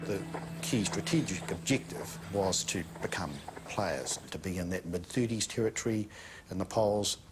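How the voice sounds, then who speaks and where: Low-voiced male strategist, measured. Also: music in the background, rough recording. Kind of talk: interview answer.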